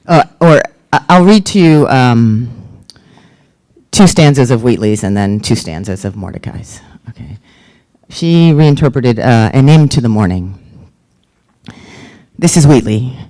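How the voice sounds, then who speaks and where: Woman poetry editor presenting at a reading; slow and mellow, halting with fillers. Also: a bass voice, expressive. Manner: halting, thoughtful, many fillers. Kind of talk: literary reading and talk.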